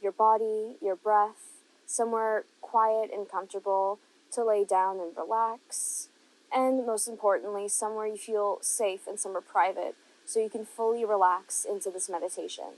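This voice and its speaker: A woman narrating a guided meditation, giving gentle, unhurried instructions with long pauses between phrases. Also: medium pitch, fairly even intonation, rough recording.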